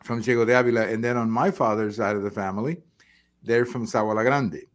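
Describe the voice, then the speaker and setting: An older man born in Cuba hosting a casual interview, speaking haltingly with many restarts and repeated words. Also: medium pitch, steady tone. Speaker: host.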